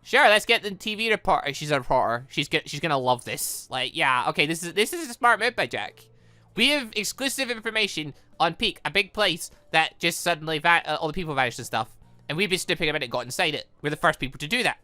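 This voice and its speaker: Gamer doing a visual novel playthrough, bright lively voice, rambles and thinks out loud, music behind. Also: mid-range voice, fast, dry recording. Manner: rambling, thinking aloud, animated. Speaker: gaming YouTuber. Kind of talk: playthrough commentary, reading visual novel dialogue aloud. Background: game music.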